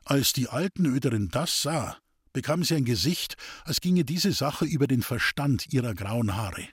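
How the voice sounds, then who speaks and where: Husky man reading a classic story. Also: medium pitch, moderate pace, dry recording, studio quality. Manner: steady storytelling. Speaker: audiobook narrator. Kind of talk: scripted narration of a classic novel.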